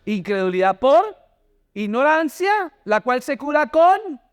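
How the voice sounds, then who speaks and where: A man's voice: extremely high pitch, very animated, a little slow. A man preaching a sermon as pastor, asking his congregation questions and having them read scripture aloud with him.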